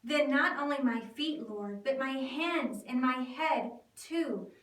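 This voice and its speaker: A woman's voice: high voice, slow, a bit bright. Woman acting out a vehement, impassioned male disciple, echoey. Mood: fervent surrender. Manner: emphatic, vehement exclamations. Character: Peter, adult male disciple, brash, impassioned, self-abasing. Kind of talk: church dramatic reading. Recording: echoey room, distant mic.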